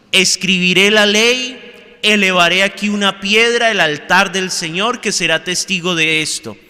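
A man, a priest, reading the gospel at Mass and then preaching a homily in slow, measured phrases with pauses, recorded in a large church. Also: high voice, sharp tone, clean tone. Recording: long church reverb.

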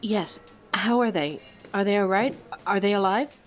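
A woman playing a devoted, distraught young werewolf in an audio drama, halting and pleading as she speaks of her mate. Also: medium pitch, slight background noise, lightly acted. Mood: frantic, pleading. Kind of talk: amateur audio drama acting.

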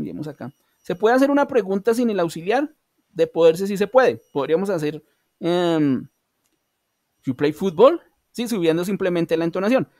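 A man's voice: high-pitched, a little mellow, no room sound, clean studio sound. A man with a Colombian accent teaching an English class online, explaining step by step and checking in with his students. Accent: Colombian Spanish. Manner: patient, explains step by step, often asks "¿sí?".

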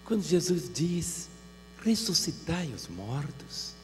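A man's voice: on the high side, very animated, slow, in a large hall, background noise. A Brazilian man preaching a sermon as pastor, telling vivid pastoral anecdotes. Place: large church hall.

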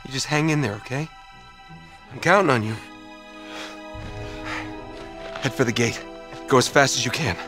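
A man's voice: mid-range voice, fairly quick, music in the background, close to an everyday voice. An American man playing a rugged, earnest adventurer in his thirties in a video game cutscene. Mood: urgent, determined. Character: rugged, earnest young male adventurer, urgent and determined.

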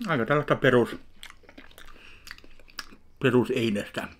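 A man in his thirties reviewing a ready meal in his home kitchen, talking slowly and deadpan between bites into a webcam. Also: medium pitch, slight background noise. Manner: unhurried, chewing between remarks, deadpan. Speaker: food vlogger. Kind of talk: casual eating review. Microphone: webcam at arm's length.

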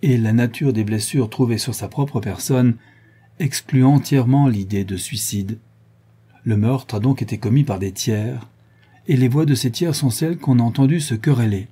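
A man reading an audiobook, voicing a young gentleman detective who lays out his reasoning in a calm, measured, lecturing way. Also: medium pitch, breathy edge, close to an everyday voice. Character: young male gentleman detective, cool and methodical.

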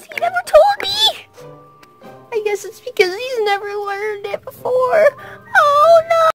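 A panicky young boy is trapped in a little girl's body and whines in a squeaky high voice, as a woman voices him. He speaks slowly, with faint music behind. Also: exaggerated voice, poor audio. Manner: whiny, panicky.

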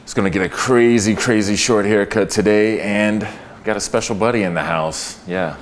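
A man's voice: fairly low pitch, steady tone, moderate pace. An American man working as a barber and host, chatting casually in a laid-back, slangy way. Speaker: barber hosting a barbershop video. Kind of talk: casual chat while cutting hair. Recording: clear shop noise with buzzing electric clippers. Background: electric shaver buzz.

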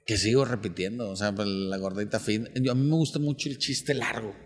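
A man's voice: on the low side, brisk, breathy edge, long reverb tail. A man with a Mexican Spanish accent, a stand-up comedian chatting on a podcast and telling long jokes in a slangy, storytelling way. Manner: slangy, storytelling, acts out joke characters in raised voices. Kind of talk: casual podcast chat with joke telling.

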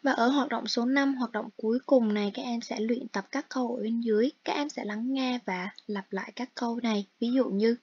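Husky-voiced woman teaching an online lesson. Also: a little high, fairly even intonation, a little fast, hardly any pauses, a little mellow, lo-fi sound. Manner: explains patiently, addressing students directly. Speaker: English teacher.

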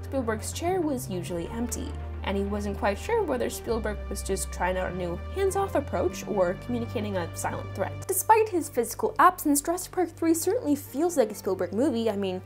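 A woman's voice: fairly high pitch, very animated, brisk, few pauses, over music. A woman narrating a film commentary video essay in a wry, sarcastic manner.

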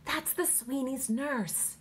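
A woman reader voicing an excitable, anxious wife who exclaims and insists, in an audiobook story. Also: high voice, slow, pitched above the performer's own voice, full character voice. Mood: agitated, hushed. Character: excitable young wife, curious and anxious eavesdropper. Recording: clear background noise.

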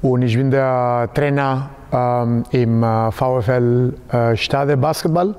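A man in his thirties from Spain, a basketball coach answering interview questions in halting German with a Spanish accent and many fillers, recorded in a large sports hall. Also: mid-range voice, steady tone, darkish tone, smooth. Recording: long hall reverb.

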